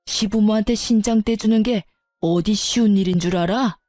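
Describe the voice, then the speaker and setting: A woman's voice: mid-range voice, moderate pace, no echo, soft background music, natural voice. A woman voicing a furious older father-in-law. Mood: stern. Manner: berating, shouting insults. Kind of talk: dramatized story reading.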